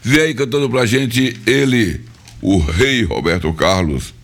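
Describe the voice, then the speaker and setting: A man from northeastern Brazil, hosting a live radio music show, slightly hoarse and chatty, repeating details for listeners. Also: medium pitch, unhurried. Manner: chatty, repeats phone numbers and tags lines with "viu?" and "né?". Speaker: radio host. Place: radio studio.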